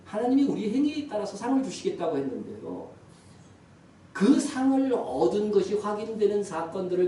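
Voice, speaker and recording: Male pastor, high voice, forceful sermon, heavy reverb of a large sanctuary. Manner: emphatic exhortation that swells to loud appeals. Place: church sanctuary. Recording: echoey church hall from far off.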